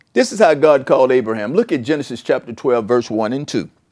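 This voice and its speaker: Animated, medium-pitched man with an American accent. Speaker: pastor. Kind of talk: sermon. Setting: church broadcast online. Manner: animated, fervent pulpit delivery with call-and-response 'Amen?' and 'Glory to God'.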